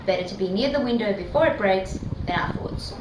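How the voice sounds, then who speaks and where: A woman's voice: mid-range voice, lively intonation, brisk, natural voice. A woman playing an unflappable alien who poses as an earnest, formal TV news reporter. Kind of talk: field news report parody. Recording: noisy, echoey field audio.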